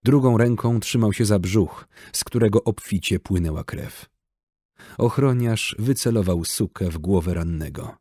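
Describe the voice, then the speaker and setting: Deep, husky-voiced male audiobook narrator. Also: unhurried, warm tone, dry recording, clean studio sound.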